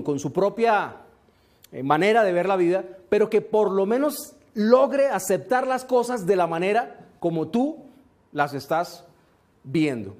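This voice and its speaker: A man giving a motivational seminar talk, slow and emphatic, often asking rhetorical questions. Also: high voice. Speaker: motivational speaker.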